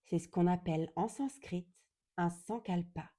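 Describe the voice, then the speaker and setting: Slow, very mellow woman guiding meditation. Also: lowish voice. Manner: calm, gentle, soothing, deliberate with long pauses. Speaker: yoga nidra guide.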